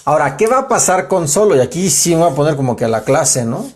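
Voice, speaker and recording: A Mexican man explaining a grammar rule in an informal livestream lesson, animated and chatty, breaking off for asides to his viewers. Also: a little high, fast, a little hiss or hum. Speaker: writer giving a live grammar talk.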